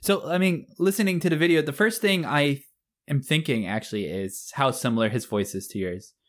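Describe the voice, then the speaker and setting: A young man co-hosting a podcast in easy conversation, his voice a bit high and friendly. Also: fairly quick. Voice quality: fairly high-pitched voice. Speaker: podcast co-host. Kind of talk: casual chat.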